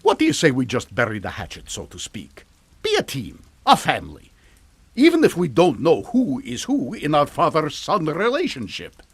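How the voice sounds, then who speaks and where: An actor playing a boastful, theatrical mad scientist in a comic radio drama, with grandiose, drawn-out dramatic delivery. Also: male voice, a little high, wildly swooping pitch, husky, no room sound, exaggerated voice. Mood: musing, conciliatory. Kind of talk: melodramatic radio comedy acting.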